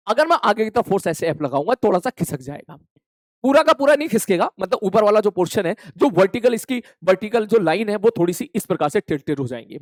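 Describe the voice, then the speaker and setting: A man teaching physics in an exam revision lecture, energetic and talking straight to his students, often answering his own questions in their voice. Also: high voice, no room sound. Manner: energetic, addresses students as "bhai sahab".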